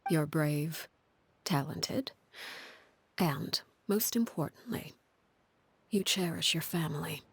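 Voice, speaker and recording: A woman voicing a stern, composed leader of a family in a video game, speaking calmly and with command in a soft, breathy way. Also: low-pitched, no echo, heavily acted. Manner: calm, measured and commanding.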